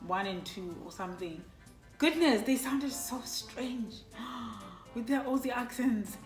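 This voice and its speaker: A woman's voice: fairly high pitch, expressive, takes it slowly. A middle-aged woman from South Africa chatting casually with her son, remembering their move abroad. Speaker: vlogger. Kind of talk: casual chat. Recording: echoey room with faint music.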